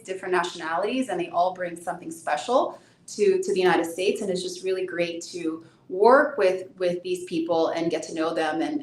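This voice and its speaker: Brazilian-born woman, low voice, echoey room. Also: a little hiss or hum. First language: Portuguese. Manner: earnest, explanatory, repeats words when starting a phrase. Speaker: immigration attorney, guest. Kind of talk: webinar interview answers.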